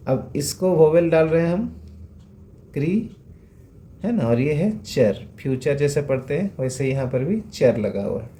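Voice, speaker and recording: A man's voice: on the high side, expressive, measured pace, warm tone. A man teaching English reading, patiently repeating sounds and checking in with rhetorical questions. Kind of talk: phonics lesson explained in Hindi.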